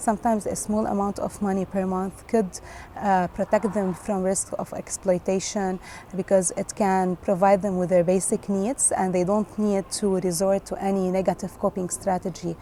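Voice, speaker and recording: A woman's voice: mid-range voice, dark tone. A woman aid worker explaining a programme in an interview. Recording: faint background noise.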